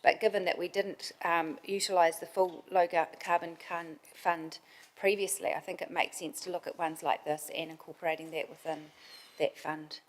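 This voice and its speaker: A woman with a New Zealand accent and a somewhat low voice speaks up at a council meeting. She is direct, working through her point aloud as she goes. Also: steady tone, normal speed. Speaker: city councillor.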